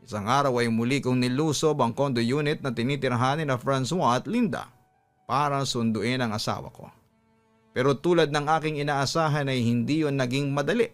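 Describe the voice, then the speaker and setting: A man's voice: mid-range voice, brisk. A man with a Filipino accent narrating a scripted story in a dramatic radio storytelling style. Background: background music.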